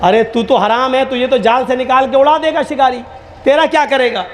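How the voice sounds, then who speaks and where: A man voicing a frantic male pigeon caught in a net, wailing and shouting complaints in a joke. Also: very high-pitched, a little fast.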